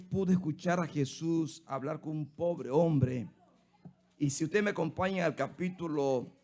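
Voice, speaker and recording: A man with a Honduran Spanish accent, a pastor preaching a sermon slowly and acting out the Bible quotes he tells. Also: on the high side, a little mellow.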